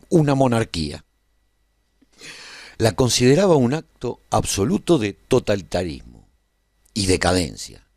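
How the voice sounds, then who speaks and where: A man playing an earnest, reflective narrator of a radio serial, telling his own story of life at a royal court in a measured, solemn, dramatic delivery. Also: medium pitch, darkish tone, no room sound, clean studio sound.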